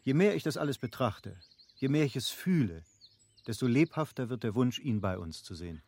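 An actor playing an earnest, eager middle-aged landowner and husband in a literary radio play, speaking formally and persuasively. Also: male voice, medium pitch, sing-song, moderate pace, a little mellow. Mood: urging, eager. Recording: faint outdoor background noise, birdsong. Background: birdsong, outdoor ambience.

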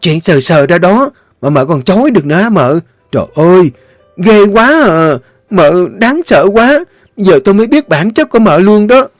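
A man doing a shrill scheming servant girl. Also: big pitch swings, moderate pace, no echo, faint music behind. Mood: scandalized. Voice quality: shrill, piercing, whiny. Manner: loud accusing wails.

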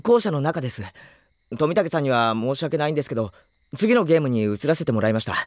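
A deadpan, polite schoolboy. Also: female voice, low voice, fast talker, no room sound, clean studio sound. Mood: calm. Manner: deadpan, matter-of-fact replies. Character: cheerful polite schoolboy, matter-of-fact. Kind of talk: anime drama CD acting.

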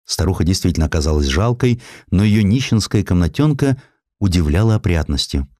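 Male audiobook narrator, deep register, dramatic and varied intonation, deliberate pauses, dry close-miked studio sound. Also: lively intonation, darkish tone, no room sound. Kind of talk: dramatic scripted narration of a historical sketch.

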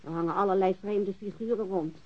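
An actress playing a suspicious, gossipy neighbourhood witness in a radio crime drama, halting and hesitant. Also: female voice, medium pitch, breathy edge, lightly acted. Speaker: actor. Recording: muffled, dull radio drama recording.

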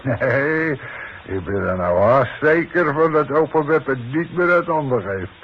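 A man's voice: medium pitch, lively intonation, measured pace, slightly rough. An actor playing a middle-aged, sly and bossy demolition foreman in a 1960s radio play, needling and smug. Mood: smug, amused. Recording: muffled, hissy 1960s radio recording.

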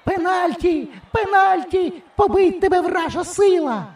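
A man's voice: extremely high pitch, unhurried, darkish tone, distant mic, voice pushed up. A man reading an audiobook, voicing an old village woman who mutters prayers and squeals at a football match. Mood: shrill shouting. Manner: mumbling prayers, then squealing.

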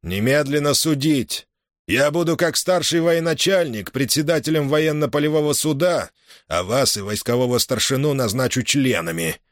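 A man's voice: mid-range voice, moderate pace, dry recording, clean studio sound, pitched above the performer's own voice, close to an everyday voice. A man voicing a cruel, furious White Army general who barks and screams at prisoners. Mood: imperious. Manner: harsh, barking, furious interrogation.

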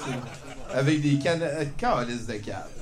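A man with a Québécois accent hosting a live show, loose, slangy and excitable. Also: mid-range voice, slow pace, crowd noise. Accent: Québécois French. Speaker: host.

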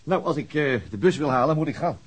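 An actor playing a calm, weary male police detective in a radio drama, with a dry, low-key manner. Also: fast, breathy edge. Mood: relaxed.

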